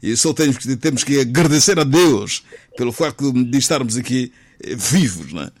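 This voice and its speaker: Relaxed Mozambican male radio host. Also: medium pitch, moderate pace. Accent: Mozambican Portuguese. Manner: relaxed, friendly, lots of hums and fillers. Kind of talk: casual radio chat.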